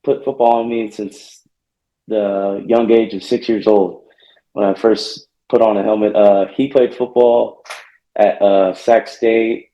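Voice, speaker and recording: A young man from Northern California, a college football player answering interview questions, soft-spoken and hesitant with many fillers. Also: lowish voice, flat delivery, slow pace. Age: young adult. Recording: echoey, muffled remote call line.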